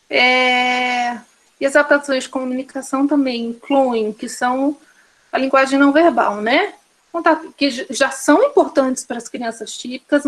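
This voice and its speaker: A woman with a Brazilian Portuguese accent teaching a course, explaining by listing examples one after another. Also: high-pitched. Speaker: course instructor. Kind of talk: online course lecture.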